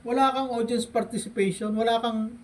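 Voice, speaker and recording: A man from the Philippines ranting in a vlog, taunting a rival with laughs and drawn-out hums. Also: very high voice, fairly even intonation. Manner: mocking, provoking, with frequent laughs and drawn-out hums. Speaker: vlogger. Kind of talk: taunting livestream rant. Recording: distant mic with faint background noise.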